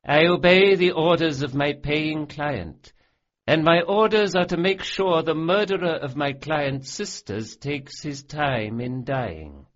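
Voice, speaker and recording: A man's voice: on the high side, slow pace, highs cut off, pitched above the performer's own voice. A man voicing a smug, cruel male sorcerer who sneers and relishes every cruelty. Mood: gloating.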